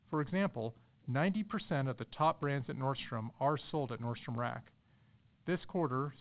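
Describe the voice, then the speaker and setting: Male executive on a tinny phone line. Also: medium pitch. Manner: formal, measured read-out delivery. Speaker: company executive. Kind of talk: scripted earnings call presentation. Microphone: telephone conference call.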